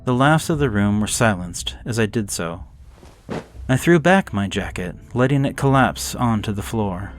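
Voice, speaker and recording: A man narrating a gothic horror story in the first person, with somber, measured, suspenseful dramatic delivery. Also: lowish voice, lively intonation, faint music behind.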